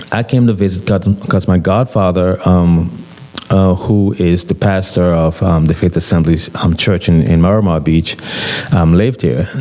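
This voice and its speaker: Very deep, low-pitched man with an African accent, moderate pace, very even loudness and noticeable background noise. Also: ordinary pitch variation. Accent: non-Southern foreign accent (African). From West Africa (Liberia, refugee in Ghana). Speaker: actor and rapper. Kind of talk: interview. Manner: halting, many fillers.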